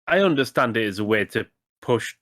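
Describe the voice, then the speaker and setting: A man's voice: medium pitch, lively intonation, a little fast, a bit bright, no echo, studio quality. A man co-hosting a gaming podcast, talking casually in rambling, self-correcting sentences and swearing now and then. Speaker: podcast co-host.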